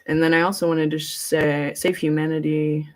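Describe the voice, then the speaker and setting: Her voice is deep with little pitch movement, and she talks at a normal speed while hosting a laid-back livestream. Blunt, informal, and quick to swear, she wanders through her thoughts, adds commentary, and reads viewer comments out loud.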